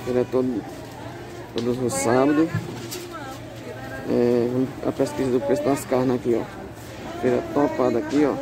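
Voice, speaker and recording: A man's voice: medium pitch, fairly even intonation, normal speed, pauses often, music in the background. A man chatting upbeat through a casual walking vlog at a big covered street market, filmed on a handheld phone. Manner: upbeat, chatty, asks vendors prices. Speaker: vlogger touring a market. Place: large covered open-air street market. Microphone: handheld phone camera. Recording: loud market noise, phone mic.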